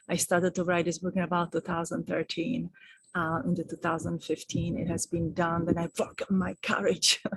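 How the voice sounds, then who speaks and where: A middle-aged woman giving gentle, affectionate spiritual guidance in a vlog. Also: lowish voice, creaky, slightly rough, no room sound, rough recording. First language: Czech. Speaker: spiritual teacher and author.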